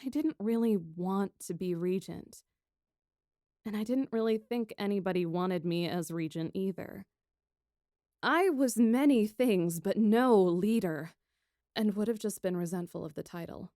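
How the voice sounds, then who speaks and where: A woman's voice: medium pitch, a little slow, dry recording, lightly acted. Nineteen-year-old royal engineer, female actor, witty and spirited, theatrical narrator of fantasy audio fiction, dry booth sound. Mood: wry, reflective. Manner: theatrical, expressive storytelling. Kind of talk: first-person scripted narration, fan audio fiction.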